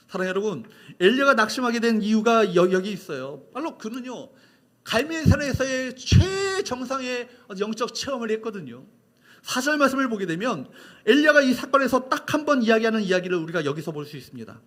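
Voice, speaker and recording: A man's voice: sits high, a bit bright. A male pastor preaching a sermon, emphatic and repetitive, asking the congregation questions.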